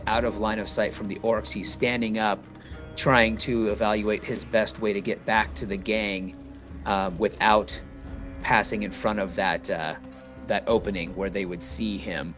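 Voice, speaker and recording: A man's voice: lowish voice, fairly even intonation, a little slow, over music. A man playing a tabletop game, talking hesitantly with lots of fillers as he describes his character. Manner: hesitant, many fillers and restarts. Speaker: player. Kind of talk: tabletop role-play chat.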